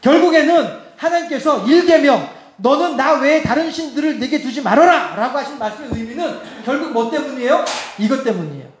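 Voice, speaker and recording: A man's voice: extremely high pitch, expressive, a little fast, hardly any pauses. A man preaching a sermon as pastor, in a chatty way, laughing often and asking the congregation rhetorical questions. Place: church sanctuary. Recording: echoey church hall.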